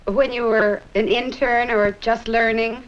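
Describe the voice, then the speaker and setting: A woman's voice: on the high side, steady tone, a little slow, natural voice. An actress playing a skeptical, tactless female patient with a hesitant yet pointed manner in a 1970s film. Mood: doubtful. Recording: muffled 1970s film soundtrack.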